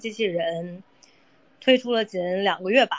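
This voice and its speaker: The woman has a plain, everyday voice. She talks at a moderate pace with ordinary pitch variation. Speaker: podcast host. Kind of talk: Twitter Space panel discussion. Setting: online audio space.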